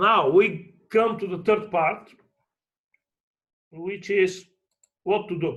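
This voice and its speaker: Very slow speech in a Bulgarian accent, with fairly even intonation and long, frequent pauses. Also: man, high pitch for a man. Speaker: astrologer. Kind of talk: lecture.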